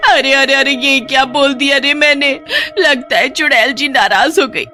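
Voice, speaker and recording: A woman's voice: high voice, moderate pace, bright, forceful tone, faint music behind, pitched above the performer's own voice. A woman voicing a dramatic, wailing village woman in a cartoon, pleading and complaining. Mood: panicked.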